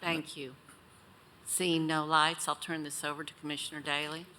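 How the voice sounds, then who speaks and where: A woman's voice: low voice, little pitch movement, moderate pace, sharp tone, a little hiss or hum. A woman chairing a county board meeting, running procedure and asking pointed questions.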